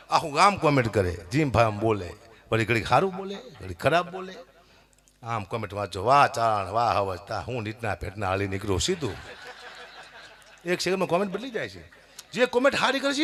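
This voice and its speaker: Lively man telling jokes on stage. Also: high voice. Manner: lively storytelling with laughter, loud bursts for quoted voices. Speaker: folk comedian performing at a dayro. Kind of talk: stage comedy monologue.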